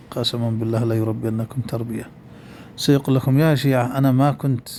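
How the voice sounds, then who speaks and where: Fast-talking man in a flat, dark monotone. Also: mid-range voice, a little hiss or hum. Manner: rhetorical, repeatedly addresses listeners directly. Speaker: religious polemicist. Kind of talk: polemical monologue.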